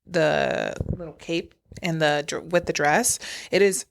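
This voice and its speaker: A woman's voice: deep voice, unhurried, vocal fry. A woman hosting a podcast, chatting effusively about wedding looks. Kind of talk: casual podcast chat.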